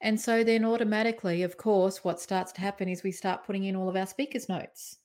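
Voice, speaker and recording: A woman giving presentation tips in a conversational, expressive way, varying her tone and emphasis. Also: medium pitch, fairly quick. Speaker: presentation coach. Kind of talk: talking-head presentation tips.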